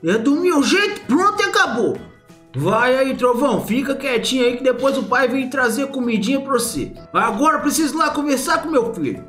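A guy playing a loud protective country dad. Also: very high-pitched, big pitch swings, a little fast, reverberant, soft background music, heavily acted. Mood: determined. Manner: loud, emphatic, calls out to his son. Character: proud country dad turned boss, protective. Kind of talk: Roblox story role-play.

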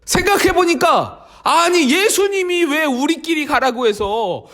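A man leading a children's worship service, telling a story in an animated, exclamatory way and asking the children questions. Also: extremely high pitch, a little slow.

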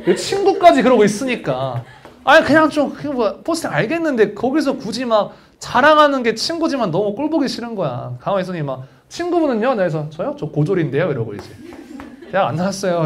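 A man's voice: sits high, slight background noise. A young man teaching an exam prep lecture in a chatty storytelling way, acting out the voices of people in his anecdotes.

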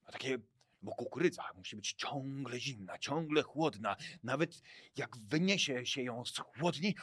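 A man playing a fussy, flustered boss who talks haltingly and repeats himself in a children's audio play. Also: medium pitch. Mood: insistent.

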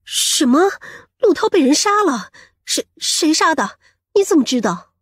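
Woman doing a fierce scolding mom, high swoopy voice, emphatic, audiobook drama. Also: very animated, unhurried, dry recording, studio quality. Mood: alarmed. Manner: emphatic, sharp-tongued. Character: fierce, protective, scolding mother of grown son.

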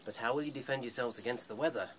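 A man's voice: mid-range voice, rapid-fire, noisy background, lightly acted. A British man acting a suave, languid, aloof rabbit in a radio play, speaking formally and without hurry.

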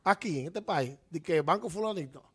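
A man's voice: fairly high pitch, expressive, a little fast, breathy edge. A man in his thirties with a Dominican accent, co-hosting a studio talk show, emphatic and gesturing, full of rhetorical questions. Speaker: radio show co-host. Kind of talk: casual panel commentary. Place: TV-radio studio. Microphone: studio microphone on desk stand.

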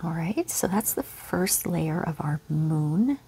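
A woman teaching a relaxed real-time painting lesson at home, speaking softly and often half-whispering. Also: low voice, takes it slowly, husky. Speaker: art teacher. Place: home studio with pets nearby.

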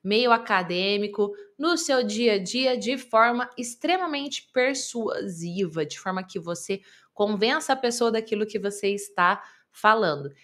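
A woman with a Brazilian Portuguese accent, coaching public speaking to camera in an emphatic, deliberate way that repeats key phrases. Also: medium pitch, lively intonation, fairly bright tone. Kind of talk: presenter-style teaching to camera. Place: indoors, filmed talking to camera.

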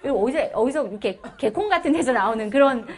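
A woman's voice: high-pitched, lively intonation, quick pace. A woman math teacher telling a funny story to her class during a live lecture, laughing often as she goes.

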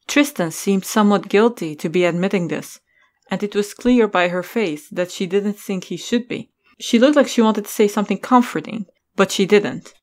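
Woman narrating a scripted story. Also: medium pitch.

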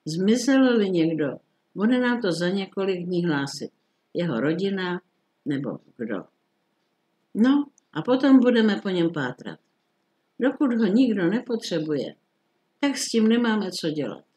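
A man voicing a phlegmatic middle-aged police commissioner who talks in a dry, unhurried, grumbly way. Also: high voice, sing-song, darkish tone.

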